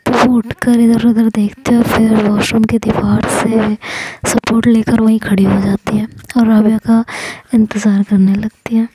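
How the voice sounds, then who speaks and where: A woman narrating a love story in a soft whisper, close to the mic. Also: fairly high pitch, level tone, measured pace, a little hiss or hum, poor audio.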